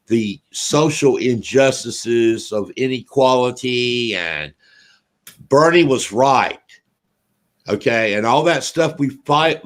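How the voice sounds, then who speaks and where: A man's voice: medium pitch, fairly bright tone. A man with a Southern drawl from North Carolina, hosting a casual political talk radio show in a rambling, folksy way with many fillers.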